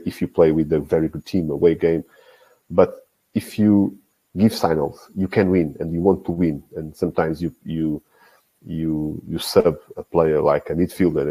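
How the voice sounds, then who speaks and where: A man in his forties, a guest football coach, talking in a casual interview over a video call. His speech is halting, full of restarts and repeated words. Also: a bass voice, dark tone, husky, rough recording. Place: small indoor room. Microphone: video call, earphones with mic.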